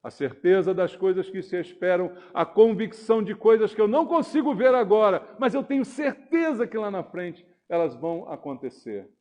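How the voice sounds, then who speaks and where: Man, Brazilian accent, pastor, sermon, high-pitched, emphatic delivery. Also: sing-song, normal speed, few pauses, darkish tone. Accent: Brazilian Portuguese. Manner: emphatic, rises and falls sharply for stress, mimics churchgoers.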